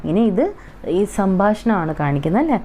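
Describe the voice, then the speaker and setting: A woman with a Malayali accent teaching a Hindi school lesson, slowly reading each line and then explaining it. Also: mid-range voice, sing-song, warm tone, slight background noise.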